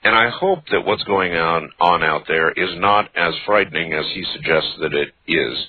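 A man's voice: sits low, moderate pace, breathy edge. A man in his early fifties hosting a call-in radio show, talking earnestly with listeners. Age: 50s. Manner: earnest, conversational, asks short questions. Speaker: talk radio host. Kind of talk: late-night call-in talk radio. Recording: dry narrowband radio sound.

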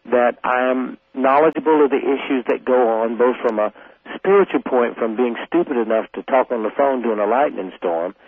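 Calm earnest man on a tinny phone line. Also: medium pitch, no echo. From South Carolina. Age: 40s. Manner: calm, earnest and long-winded. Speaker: radio guest. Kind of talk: call-in radio conversation.

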